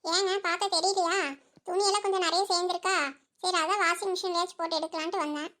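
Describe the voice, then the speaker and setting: Young wife in a cartoon done by a woman, super high, talks fast, soft protests. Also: fairly even intonation. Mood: protesting. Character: young village wife, gentle, mildly protesting. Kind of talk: cartoon voice acting.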